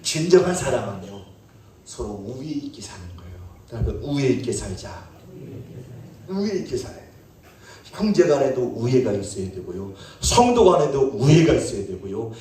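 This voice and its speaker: Animated male pastor in an echoey hall. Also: mid-range voice, normal speed, distant mic. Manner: animated, playful, calls out to the congregation. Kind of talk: sermon. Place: church sanctuary. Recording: echoey church hall, mic from afar.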